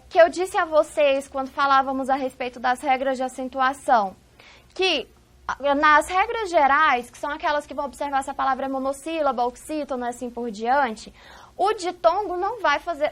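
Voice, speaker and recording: High-voiced Brazilian woman teaching. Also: a bit bright. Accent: Brazilian Portuguese. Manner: didactic, asks rhetorical questions and answers them. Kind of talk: recorded video lesson.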